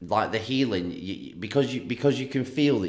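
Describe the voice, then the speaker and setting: Audible room echo carries a man's voice in a northern English accent with ordinary pitch variation. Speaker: spiritual healer. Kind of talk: casual chat. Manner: halting.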